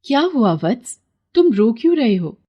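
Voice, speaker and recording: A woman's voice: on the high side, big pitch swings, moderate pace, muffled recording. A stern, righteous pond goddess, as a woman narrator puts her on in a cartoon story. Her voice is raised and commanding, and she scolds a greedy man in a lofty tone. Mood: gentle.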